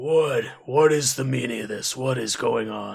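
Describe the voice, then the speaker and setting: A man puts on a raspy character voice at medium pitch, speaking at a moderate pace with fairly even intonation. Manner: demanding, confrontational.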